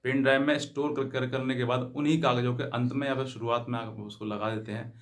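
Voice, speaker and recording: A man's voice: medium pitch, little pitch movement, quick pace. A man giving an explanatory legal advice talk to viewers, often rephrasing himself and glossing English terms in Hindi. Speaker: legal advice channel host.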